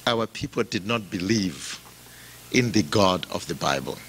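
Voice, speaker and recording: A man from Zimbabwe preaching a sermon in a slow, emphatic style, his voice rising and dropping for effect. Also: low-pitched, animated, a bit bright, slight background noise.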